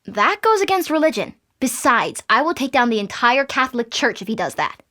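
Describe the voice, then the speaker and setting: A woman playing an excitable, cheeky fourteen-year-old Latina girl who rambles dramatically and candidly in a comic audio drama. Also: a little high, brisk. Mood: defiant. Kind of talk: comic audio fiction acting.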